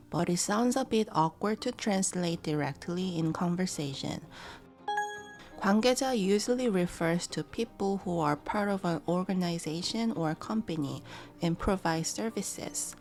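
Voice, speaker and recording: A Korean-native woman works as a language teacher, explaining phrases one word at a time in a calm, methodical way. Her voice is on the low side.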